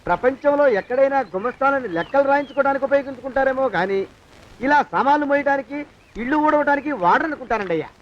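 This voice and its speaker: A put-upon clerk in an old film, grumbling sarcastically at his boss. The voice is very high and quick. The soundtrack is dull, with a faint hiss. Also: animated.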